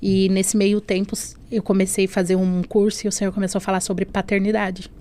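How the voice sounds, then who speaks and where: A woman's voice: mid-range voice, flat delivery, brisk. Woman telling an emotional testimony. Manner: storytelling that acts out remembered dialogue; leans on tag questions and softening fillers. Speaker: guest sharing a faith testimony. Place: podcast studio.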